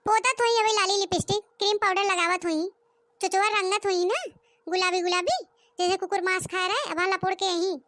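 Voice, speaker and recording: A woman's voice: very high-pitched, a little fast, a bit bright, no echo, studio quality. A woman voicing a scolding Awadhi mother-in-law. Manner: scolding, exclamatory, mocking. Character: scolding old village mother-in-law, sharp-tongued. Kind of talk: comic cartoon voice acting.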